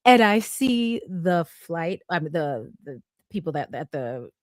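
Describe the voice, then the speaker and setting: Animated middle-aged woman telling a story. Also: low-pitched, slow, no room sound, clean studio sound. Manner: animated, vivid retelling with bursts of excitement. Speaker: guest storyteller. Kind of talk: casual podcast storytelling.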